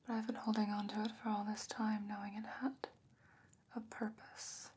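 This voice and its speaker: A woman playing a gentle, solemn sorceress in a whispered fantasy ASMR roleplay, breathy, hushed and measured. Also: mid-range voice, level tone. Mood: quietly caring. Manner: slow, measured, hushed delivery. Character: gentle, solemn sorceress sending a pirate friend off.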